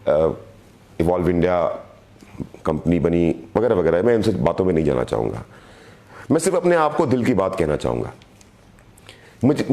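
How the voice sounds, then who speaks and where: A middle-aged man leading a direct selling team speaks in an earnest live video meant to motivate, his lowish voice mellow but hoarse from a sore throat. He often repeats phrases for emphasis.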